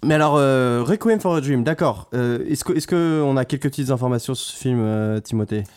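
A man's voice: mid-range voice, a little fast, a little mellow, smooth. Hesitant young man, podcast co-host. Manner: hesitant, many fillers, teasing. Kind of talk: casual chat.

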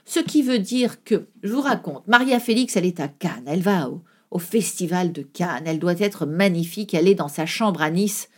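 A woman's voice: lowish voice, animated, normal speed, few pauses. A woman author, a guest on an interview show, telling vivid stories with exclamations. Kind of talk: radio interview storytelling.

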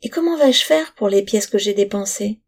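A woman's voice: medium pitch, lively intonation, moderate pace, a little mellow. A woman voicing an earnest, stubborn poor boy who pleads and insists, in a storybook reading. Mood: insistent.

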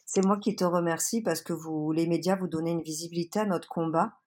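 A woman's voice: fairly low pitch, fairly even intonation, a little fast, darkish tone. A woman from France, speaking earnestly and with many hesitations as an interview guest, slightly under the weather with a cold. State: has a cold. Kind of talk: casual interview.

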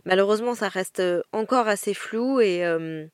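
A woman's voice: medium pitch, normal speed, smooth, no echo, clean studio sound. A woman co-hosting a podcast for children, explaining things in casual, conversational speech. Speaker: podcast co-host.

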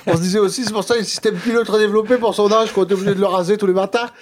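A man's voice: sits high, fairly even intonation, very fast, a little hiss or hum, pitched above the performer's own voice, close to an everyday voice. A man voicing a bumbling, earnest working-class father from northern France, with a ch'ti accent, rambling naively in a comedy sketch. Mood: flustered. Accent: Northern French (ch'ti).

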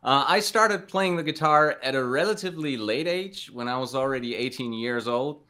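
A man's voice: mid-range voice, normal speed, bright, forceful tone. A man giving casual interview answers as a guest, thinking his way through with hesitant phrasing. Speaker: interview guest, guitar teacher.

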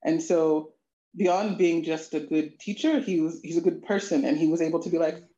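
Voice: medium pitch, steady tone, moderate pace, dark tone. An adult language student answering interview questions in a reflective, earnest way. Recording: echoey, muffled lo-fi audio.

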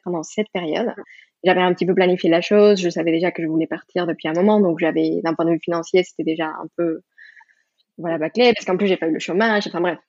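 Guesting on a podcast, a yoga teacher from Mexico speaks in a fairly low, darkish voice with a Mexican Spanish accent. She's thoughtful, restarts often, fills pauses and laughs easily, and the audio is dull with no room sound.

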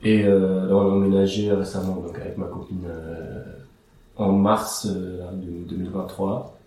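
A man's voice: deep voice, level tone, moderate pace, dark tone, very echoey, recorded from a distance. A young man from Iraq, whose first language is Aramaic, answering interview questions in a casual, hesitant way with many fillers and restarts. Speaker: interview guest.

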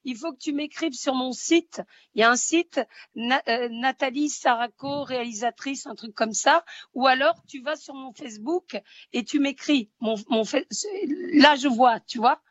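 A woman's voice: high-pitched, moderate pace, no room sound. A woman from southern France speaking as a radio guest in a casual, impassioned way, repeating phrases for emphasis. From Marseille, southern France. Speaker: radio guest, writer and film-maker. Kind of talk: casual phone-in chat. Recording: slightly dull, dry sound.

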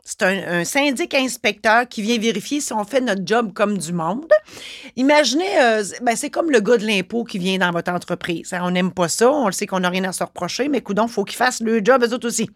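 Lively Québécois woman telling a story. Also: mid-range voice, fairly quick, no room sound, clean studio sound. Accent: Québécois French. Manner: lively, expressive, many fillers and restarts. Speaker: notary and podcast host. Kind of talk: casual storytelling monologue.

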